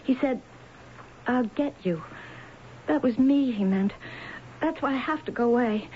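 High-voiced, frightened young wife. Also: female voice. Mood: fearful, resigned. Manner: anxious, halting, pleading. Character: frightened, trapped young wife, Anna, fleeing violent husband. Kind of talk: radio drama acting. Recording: dull, noisy vintage radio broadcast.

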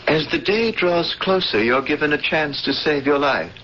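Bright-voiced, fatalistic rebel prisoner. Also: male voice, on the high side, expressive, moderate pace. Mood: resigned, earnest. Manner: formal, solemn phrasing. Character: earnest, fatalistic male prisoner and would-be rebel. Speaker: actor playing a cellmate. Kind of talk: 1970s radio drama acting. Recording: dull, noisy vintage radio broadcast.

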